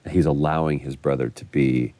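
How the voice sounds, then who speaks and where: A man's voice: extremely low pitch, steady tone, normal speed, mellow, no echo. A man doing developer commentary who talks with enthusiasm and admiration about the scenes. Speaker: game creator in commentary.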